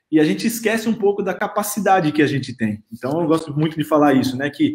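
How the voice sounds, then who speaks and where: A man's voice sits fairly high, and its pitch varies in an ordinary way. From interior of São Paulo state, Brazil (Itapetininga). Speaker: basketball coach. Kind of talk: interview.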